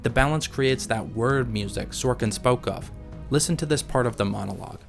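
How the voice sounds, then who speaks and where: A man narrating a scripted video essay in a measured, analytical way. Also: mid-range voice, gravelly, over music.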